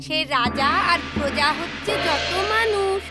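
A very high, tiny storybook bird speaks slowly in drawn-out, sing-song phrases. It is a children's cartoon creature, with loud music playing underneath. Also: expressive. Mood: chirpy, earnest. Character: small talking bird perched in a tree. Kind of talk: Bengali children's cartoon acting.

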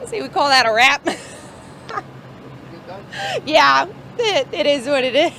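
Flustered female reporter, bright tone, faint outdoor noise. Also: very high voice. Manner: flustered, giggly, self-mocking. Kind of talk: recording an outtake-filled intro.

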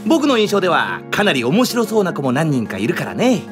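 Confident eccentric director, lively intonation, casual, playful, voice drama, background music. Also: male voice, fairly high pitch, brisk. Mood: light, reassuring. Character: easygoing, quietly confident eccentric male stage director. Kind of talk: anime-style voice drama acting.

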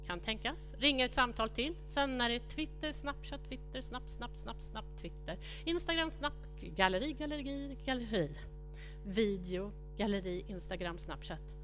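Brief: middle-aged woman keynote speaker, fairly high voice, brisk list-reading delivery, big hall, faint music behind. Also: fairly bright tone. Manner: rattles off lists of apps, speculating aloud. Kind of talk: conference keynote talk. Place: large lecture hall with audience.

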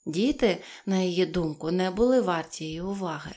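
Woman audiobook narrator, gentle children's storytelling. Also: on the low side, fairly quick. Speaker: audiobook reader.

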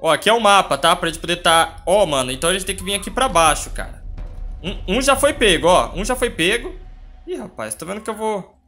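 A Brazilian man streams a horror game with a high, bright voice. He comments casually and excitably, sounding scared and urgent in his exclamations. Faint game music plays behind him. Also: brisk.

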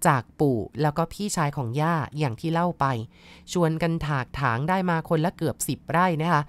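A woman from northeast Thailand narrating a ghost story in a calm, polite, unhurried way. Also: low-pitched, no room sound.

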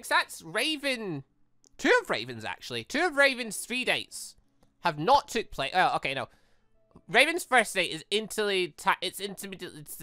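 A man giving casual, animated game commentary as he thinks aloud in a rambling, expressive way. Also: high voice, dry recording. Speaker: gaming channel host. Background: background music.

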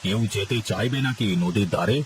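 Low voice, anxious landlord, male actor, cartoon, soft faint hiss. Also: a little fast, lightly acted. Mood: worried. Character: worried old village landlord, male, generous. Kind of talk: cartoon voice acting.

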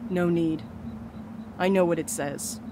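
A woman's voice: lowish voice, steady tone, slow pace, background noise. A woman playing a blunt, fatalistic comrade in an audio drama. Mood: resigned, firm. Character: blunt, fatalistic comrade resigned to a grim destiny.

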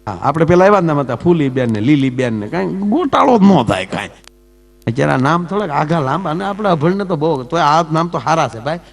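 A man's voice: on the high side, big pitch swings, a little fast, gravelly. A man performing folk comedy talk on stage, teasing the audience and jumping between jokes and asides.

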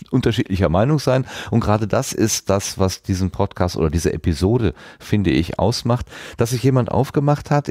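A man hosting a podcast, talking off the cuff with deliberate, searching phrasing. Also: on the low side, a little mellow, dry recording, clean studio sound. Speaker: podcast host. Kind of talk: unscripted podcast talk.

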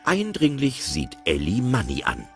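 A man narrates an audio-play story with playful, expressive commentary. His voice sits low but swings widely in pitch, with faint music underneath. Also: unhurried, vocal fry.

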